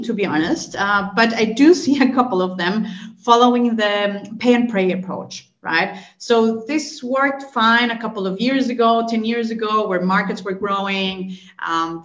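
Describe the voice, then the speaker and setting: Colombian-born woman in her thirties, explanatory guest, average pitch, dull echoey call audio. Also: fairly bright tone. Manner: fluent, explanatory, frequent "right?" and "um" fillers. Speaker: guest, consulting executive. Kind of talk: podcast interview answers.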